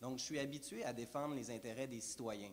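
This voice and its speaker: A man at a fairly quick pace and medium pitch, ordinary pitch variation, with audible room echo. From Quebec, Montérégie (Mont-Saint-Hilaire). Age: 20s. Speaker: political candidate, lawyer. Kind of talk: election debate opening statement. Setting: public debate with audience.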